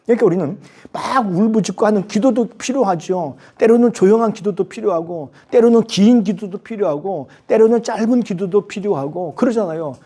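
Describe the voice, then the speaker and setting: Older male professor in his sixties; chatty lecturer, husky and mellow, higher-pitched. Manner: chatty storytelling, rhetorical questions. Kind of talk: university lecture.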